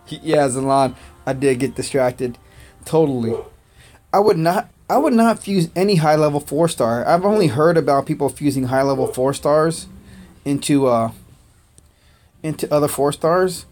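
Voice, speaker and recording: A man born in Korea whose first language was Korean, chatting casually on a game livestream, thanking viewers by name and filling pauses with "uh" and "man". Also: on the high side, darkish tone, faint music behind. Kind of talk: casual gaming livestream chat.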